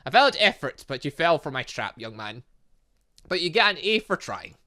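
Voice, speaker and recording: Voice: medium pitch, very animated, normal speed, sharp tone. Pompous older professor put on by a game streamer. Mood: smugly approving. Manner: formal, grandiose teacherly delivery. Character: pompous older male professor lecturing young students.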